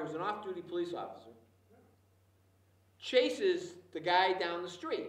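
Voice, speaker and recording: Amid noticeable background noise and audible room echo, a man with a high-pitched voice speaks at a moderate pace with ordinary pitch variation. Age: 60s. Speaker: panelist on policing. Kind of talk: panel discussion. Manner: halting.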